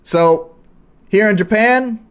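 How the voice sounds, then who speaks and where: A man's voice: sits high, slow pace, smooth. A man with an American accent, chatting casually as the host and interviewer on a livestream. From United States.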